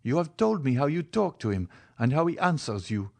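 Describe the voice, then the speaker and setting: A man's voice: on the high side, sing-song, a little fast, creaky, pitched above the performer's own voice, heavily acted. A man voicing an ardent young lover who speaks earnestly and fervently in an audiobook reading.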